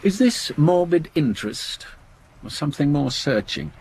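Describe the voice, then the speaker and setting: An actor playing an exasperated, dismissive husband in a radio horror play, irritable and sardonic. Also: male voice, on the high side, big pitch swings, normal speed, a little mellow, husky, full character voice. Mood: weary, defensive. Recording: noisy 1980s radio drama recording.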